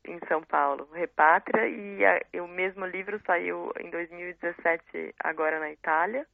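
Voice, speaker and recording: Brazilian woman, 30s, thoughtful interview guest, gravelly, heard over the phone. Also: lowish voice, normal speed, no room sound. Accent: Brazilian Portuguese. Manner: reflective, searching for words, frequent tag questions. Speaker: guest poet. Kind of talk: casual interview talk. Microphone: phone call. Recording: tinny dry phone line.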